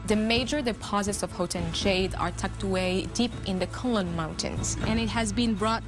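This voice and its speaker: A woman from Morocco, an architect presenting in a reflective, relaxed way. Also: mid-range voice, normal speed. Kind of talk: travel documentary presenting. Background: background music.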